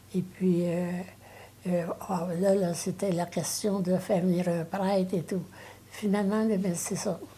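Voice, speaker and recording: A woman with a Quebec accent speaks very slowly in a monotone, flat voice at medium pitch, with long, frequent pauses. Her tone is dark, mellow and somewhat breathy. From Quebec, Drummondville area. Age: 80s+. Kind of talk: interview answer.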